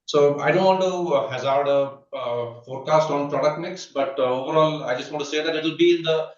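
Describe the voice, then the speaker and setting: A man, an executive presenting quarterly results on a conference call, speaking haltingly and filling his pauses with many "uh"s and restarts. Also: on the high side. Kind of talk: earnings conference call commentary. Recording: distant, roomy, dull conference call audio.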